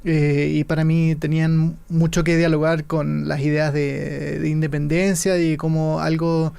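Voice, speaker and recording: A man's voice: a little high, level tone, a little slow, vocal fry, warm tone, clean tone. A man with a Chilean accent from Santiago, a film director talking through his ideas in an interview and searching for words as he goes. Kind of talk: interview conversation.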